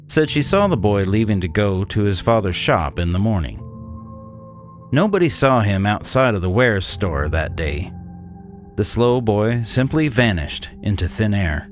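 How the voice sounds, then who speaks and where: A man playing a cynical, disdainful 1800s swindler, narrating a gothic horror tale in a measured, condescending way. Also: lowish voice, big pitch swings, soft background music. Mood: grim, detached. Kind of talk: scripted dramatic horror narration.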